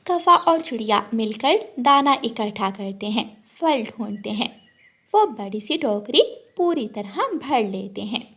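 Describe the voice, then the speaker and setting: A woman narrating a cartoon story in a calm, measured storytelling manner. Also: fairly high pitch, breathy edge.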